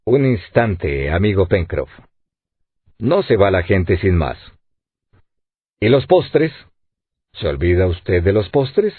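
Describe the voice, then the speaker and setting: A man's voice: deep voice, very animated, slow, pauses often, husky, no room sound, heavily acted. A man reading as a genial teasing journalist. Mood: coaxing. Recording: dry, tinny phone-like sound.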